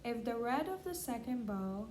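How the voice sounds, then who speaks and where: A woman's voice: a little high, expressive, normal speed, a little mellow, a little hiss or hum. A woman acting as the client in an assessment, giving plain answers and reading aloud.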